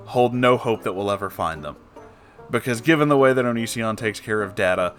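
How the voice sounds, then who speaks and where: A man hosting a bad-story reading show rambles casually to viewers in a theatrical, wry, self-deprecating way, with some swearing. His voice is on the low side with a fairly bright tone, and plucked guitar music plays in the background.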